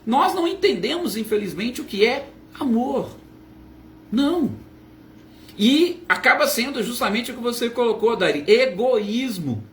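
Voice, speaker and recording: A man's voice: very high voice, lively intonation, unhurried, a little hiss or hum. A man leading a Spiritist study talk, explaining and asking and answering his own questions. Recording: roomy echo, faint ambience.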